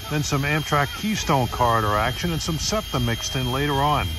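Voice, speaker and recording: With an American accent, a man talks at a fairly quick pace amid noticeable background noise and audible room echo. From Long Island, New York. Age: 60s. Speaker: railfan videographer. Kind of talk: casual vlog narration. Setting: outdoors.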